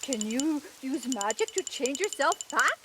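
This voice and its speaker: Woman doing a fussy, excitable monarch. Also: high-pitched, measured pace, noisy background. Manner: fussy, exclamatory, bossy. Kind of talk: puppet show acting. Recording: puppet show with music behind.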